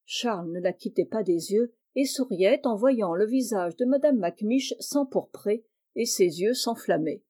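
A woman narrating a classic children's novel as an audiobook, clear and measured. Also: medium pitch, lively intonation, dark tone. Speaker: audiobook reader.

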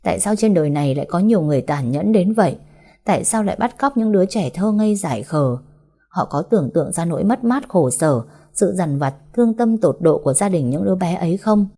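A woman's voice: fairly low pitch, animated, brisk, mellow. A woman narrating a first-person audiobook story in a sorrowful, heartfelt way. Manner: sorrowful, heartfelt emotional reading.

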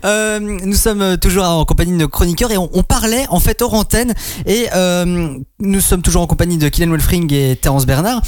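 A man's voice: high-pitched, moderate pace. A young man hosting a radio show in casual chat, teasing his guests and laughing often.

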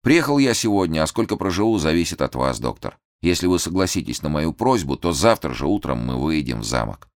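A man's voice: very deep voice, very animated, fairly quick, few pauses, no echo, studio quality, heavily acted. A man voicing a young male heir who speaks earnestly and insistently.

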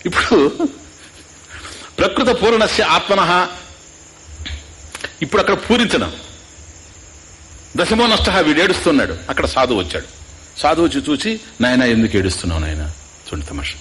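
Animated male spiritual teacher. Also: high voice, normal speed, long pauses, a little hiss or hum. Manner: keeps quizzing listeners, mixing in English asides. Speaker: Vedanta teacher. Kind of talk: spiritual discourse.

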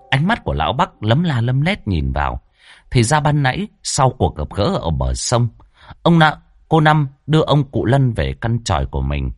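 A man narrating a ghost story with expressive, rhythmic delivery. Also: lowish voice, no echo, clean studio sound.

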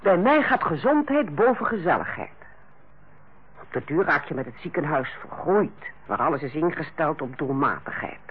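Radio drama role: strict, fussy ward sister, high animated delivery, husky edge, dull old recording. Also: female voice, normal speed. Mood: brisk, disapproving. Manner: bossy, precise, matter-of-fact. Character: strict, fussy senior hospital nurse, Carla, on holiday. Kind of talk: old Dutch radio play acting.

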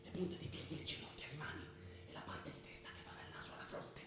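An actor playing a pragmatic Muslim believer, frank and instructive, in a theatrical radio drama. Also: male voice, sing-song, fast, close to an everyday voice. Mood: guiding. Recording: very echoey stage, faint rumbling noise.

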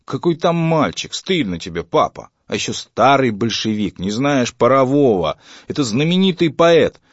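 A man's voice: medium pitch, very animated, moderate pace, dry recording, muffled recording, pitched above the performer's own voice. A man reading a story, voicing a dogmatic schoolboy who lectures his father. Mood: lecturing. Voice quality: preachy, self-assured lecturing tone.

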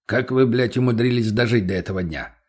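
A man playing a cool, blunt gypsy mercenary in an audiobook, his husky voice dry and unhurried. He sounds unimpressed by everyone. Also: mid-range voice, a little mellow, lightly acted. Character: cool, sardonic male Lovari gypsy mercenary.

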